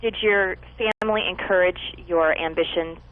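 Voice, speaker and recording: A woman's voice: on the low side, fairly even intonation, moderate pace. A woman hosting an interview, asking questions in an upbeat, chatty and encouraging way. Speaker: interview host. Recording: tinny phone-like audio.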